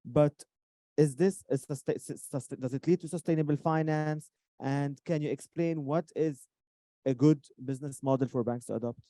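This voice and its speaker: A man's voice: a little high, steady tone, normal speed, mellow, no echo, studio quality. A man interviewing a guest, reacting eagerly and stumbling over some words as he asks his questions.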